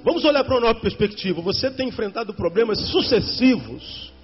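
A man's voice: very high voice, lively intonation, fast talker, husky. A male pastor preaching a sermon, addressing the congregation directly and repeating key lines for emphasis. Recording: dull lo-fi sermon recording with faint music.

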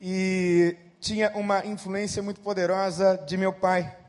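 A middle-aged Brazilian pastor preaches a sermon that moves between loud, emphatic peaks and quiet storytelling. His voice is high, his delivery flat, and his pace a little slow.

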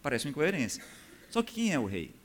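A man's voice: a little high, huge pitch swings, quick pace. Man preaching a conversational sermon. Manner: conversational, often checks in with the audience. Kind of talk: sermon teaching from scripture.

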